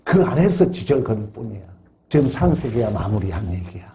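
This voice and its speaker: A man's voice: lowish voice, big pitch swings, a little fast, creaky, dark tone. A middle-aged male pastor preaching a sermon in an emphatic, conversational way, often asking the congregation questions.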